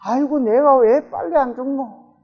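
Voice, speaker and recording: A man's voice: extremely high pitch, unhurried, husky, pitched above the performer's own voice, full character voice. A man voicing a grumbling old woman near a hundred, sighing and complaining in Gyeongsang dialect. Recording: dull, reverberant church recording.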